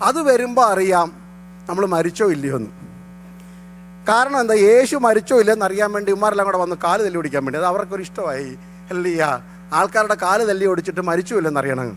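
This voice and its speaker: A man's voice: high-pitched, a bit bright, slight background noise. A man with a Malayali accent preaching a fervent sermon as a pastor, mixing in English phrases and calling out hallelujah often.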